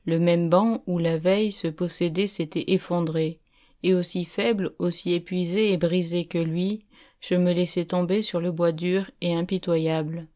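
A woman reading a literary audiobook in a steady, measured first-person narration. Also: on the low side.

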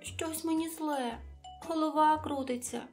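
A woman voicing a tiny, excitable ant in a piping storybook voice. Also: sits high, unhurried, faint music behind, voice pushed up. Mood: dizzy. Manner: piping, exclamatory.

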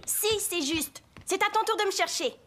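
A woman's voice: very high voice, moderate pace, heavy background noise. A woman voicing an easygoing, playful little boy in a cartoon, childish and matter-of-fact. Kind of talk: French-language cartoon voice acting. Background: music.

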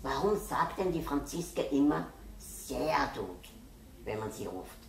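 A woman doing a gently asking father. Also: extremely low pitch, animated, measured pace, creaky, pitched above the performer's own voice, exaggerated voice. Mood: curious. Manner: gently questioning. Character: puzzled, kindly father. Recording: roomy, distant mic, faint hiss.

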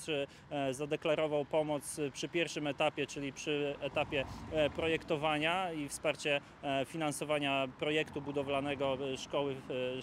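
A man gives a press conference statement outdoors in a city, in a flat, fairly high voice. He stops and starts often, filling gaps with hesitations. Faint street and traffic noise sits under his voice. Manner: halting, frequent filler pauses. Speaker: council candidate.

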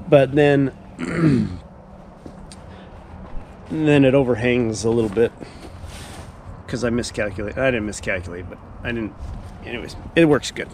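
Brief: man, mid-pitch, casual DIY tour, rambly, throat-clearing, faint hiss behind. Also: a little mellow. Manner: rambling, self-correcting, frequent throat clearing. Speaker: homeowner giving a house tour. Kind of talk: casual handheld tour narration.

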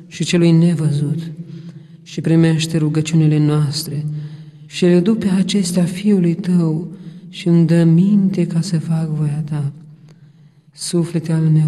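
Male prayer reader, slow and intoning, a dark, mellow tone and a ringing church reverb. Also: fairly high pitch. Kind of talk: solemn liturgical prayer reading. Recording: long hall reverb.

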